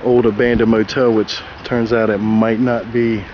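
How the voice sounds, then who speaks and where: A man's voice: fairly low pitch, flat delivery, normal speed, muffled recording. Guy in his 40s filming himself outside an old motel, lots of uh and um, noisy outdoor sound. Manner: rambling with many fillers. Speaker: urban explorer vlogger. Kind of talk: casual vlog walkthrough. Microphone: handheld camera at arm's length. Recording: outdoor noise behind.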